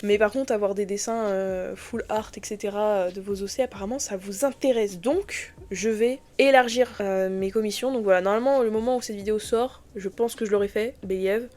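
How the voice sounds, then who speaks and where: A woman's voice: mid-range voice, fairly even intonation, a little fast, few pauses, darkish tone. A young adult woman chatting casually to viewers in a vlog, rambling enthusiastically and full of slang as a digital artist reviewing gear.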